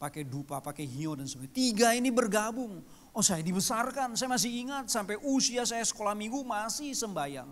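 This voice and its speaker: Animated and fairly quick, a man talks with hardly any pauses, very wide pitch swings and a high pitch for a man. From West Java, Indonesia. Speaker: pastor. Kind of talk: sermon. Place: church. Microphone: handheld.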